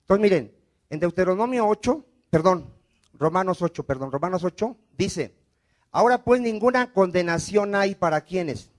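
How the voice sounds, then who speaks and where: A man's voice: high voice, lively intonation, moderate pace. A man preaching a sermon as pastor, asking the congregation questions and having them repeat after him. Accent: Mexican Spanish. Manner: call-and-response preaching, frequent rhetorical questions.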